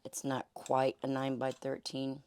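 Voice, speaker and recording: A woman host with a Southern accent and a hoarse, fading voice, chatting folksily through a home cooking demonstration. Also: extremely low pitch, monotone, moderate pace, a little mellow, no room sound. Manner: chatty, folksy, many fillers. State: hoarse, losing her voice. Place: home kitchen.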